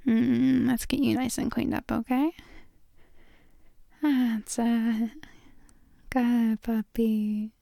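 A woman performing intimate adult roleplay as a dominant, affectionate lover, murmuring drawn-out praise and sometimes slipping toward a whisper. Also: a little high, creaky, mellow, dry recording, clean studio sound. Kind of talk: intimate erotic audio roleplay addressed to the listener.

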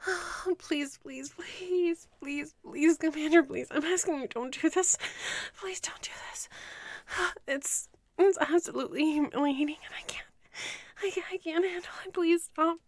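A woman voicing a proud, resentful young female starship ensign, speaking in a breathy, often whispered voice and stammering as she pleads. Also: very high-pitched, normal speed, darkish tone, dry recording. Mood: pleading. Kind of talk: audio roleplay acting.

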